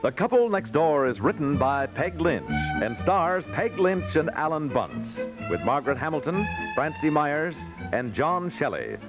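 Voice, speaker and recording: A man's voice: a little high, very animated, measured pace, hardly any pauses. A man announcing in the scripted style of 1950s network radio. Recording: muffled 1950s radio recording over loud music.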